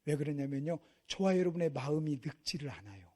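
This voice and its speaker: A middle-aged man from Korea preaching a revival sermon in a church, passionate and swinging from hushed storytelling to shouting. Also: a little high, expressive, a little fast, slightly rough. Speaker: pastor. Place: church sanctuary.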